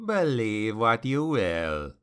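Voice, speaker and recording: A man voicing a sly, amused ancient male demon who speaks slowly and knowingly. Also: on the low side, very animated, fairly bright tone, smooth, exaggerated voice. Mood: mocking. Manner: slow, knowing, mocking.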